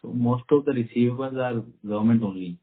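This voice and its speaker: A man with an Indian accent and a husky voice, answering investors as a company executive on an earnings call. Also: mid-range voice, brisk. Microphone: phone conference call. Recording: muffled phone conference line.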